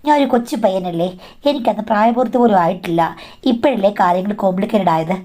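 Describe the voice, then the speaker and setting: An earnest young man pleads for his sister in a spoken life story, insistent and a little defensive, read out by a woman narrator. He has a middle-pitched voice. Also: fast, warm tone, natural voice.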